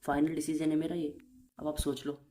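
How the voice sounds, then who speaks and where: A man's voice: fairly high pitch, completely flat delivery, moderate pace, mellow. A young man in an intimate relationship argument, speaking in a reproachful, insistent and repetitive way. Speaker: boyfriend in a relationship call.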